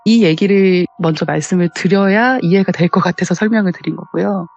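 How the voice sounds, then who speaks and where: A woman's voice: fairly low pitch, a little fast, gravelly, a little mellow, muffled recording. A woman politely telling her own ghost story in a conversational, explanatory way. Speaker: caller telling a personal story. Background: background music.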